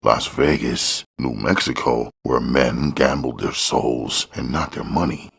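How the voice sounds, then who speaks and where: Very deep, gravelly male audiobook narrator. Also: a little slow, a bit bright. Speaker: audiobook reader. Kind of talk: scripted narration of a crime novel.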